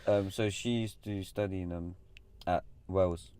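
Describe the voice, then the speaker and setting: A man's voice: low-pitched, moderate pace. A young man with a North London accent, co-hosting a podcast with casual teasing banter. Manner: teasing, animated, puts on mock voices. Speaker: podcast co-host.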